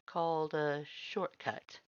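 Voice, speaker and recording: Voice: mid-range voice, smooth, no echo, lo-fi sound, close to an everyday voice. A narrator doing a terse, creepy little skeleton man. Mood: flat, unbothered. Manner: terse, flat, slow, unhurried. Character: laconic, creepy grinning little male skeleton monster.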